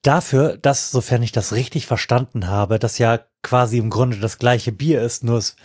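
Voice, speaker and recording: Husky man talking in long orderly sentences. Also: medium pitch, steady tone, normal speed, darkish tone, no room sound, clean studio sound. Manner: wordy, orderly, dryly amused. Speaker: podcast co-host. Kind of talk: casual podcast chat.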